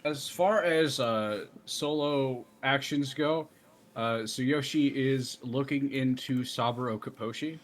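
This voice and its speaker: A man's voice: mid-range voice, slow pace. A man chatting casually as a player at a tabletop role-playing game.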